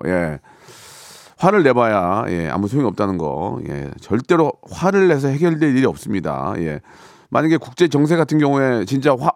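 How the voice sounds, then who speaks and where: Lively-voiced middle-aged Korean radio host. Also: male voice, mid-range voice, no echo, studio quality. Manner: chatty, playful, repetitive, slips into mock voices and sung bits. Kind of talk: radio talk show chat. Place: radio studio. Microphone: studio microphone.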